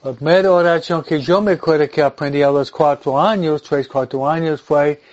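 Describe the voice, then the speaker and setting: A male Catholic priest, a native English speaker with an English accent, giving an informal religious talk in a deliberate, halting way with repeated phrases. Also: fairly high pitch, fairly even intonation, darkish tone, muffled recording. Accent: English-speaking accent in Spanish. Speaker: Catholic priest leading an online prayer group.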